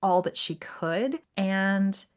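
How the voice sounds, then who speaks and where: A woman's voice: mid-range voice, slow pace, smooth. A woman co-hosting a podcast, talking casually about literature in a rambling way with acted-out asides. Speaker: podcast co-host.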